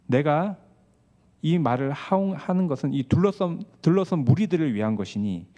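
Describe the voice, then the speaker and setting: A male pastor preaching a sermon, asking the congregation questions and swinging between hushed asides and raised, emphatic passages. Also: fairly high pitch, expressive, moderate pace, lo-fi sound.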